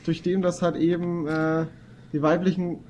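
A man's voice: fairly high pitch, level tone, moderate pace, a little mellow, slight background noise. A man co-hosting a casual podcast chat, hesitant and full of fillers. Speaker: podcast co-host.

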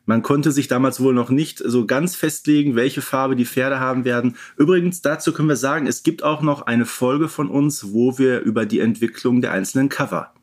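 A man's voice: mid-range voice, moderate pace, hardly any pauses. A man co-hosting a podcast, talking casually as a fan and explaining points in an informal discussion. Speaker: podcast co-host.

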